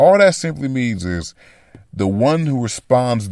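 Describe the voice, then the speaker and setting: An animated tone with lively intonation at a fairly slow pace, in a very clean recording with a silent background. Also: man. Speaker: podcast host. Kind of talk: casual solo commentary. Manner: animated, conversational.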